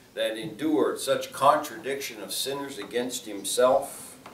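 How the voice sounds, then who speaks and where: This man's voice carries audible echo from the room. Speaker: preacher. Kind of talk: sermon. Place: church. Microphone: camera far.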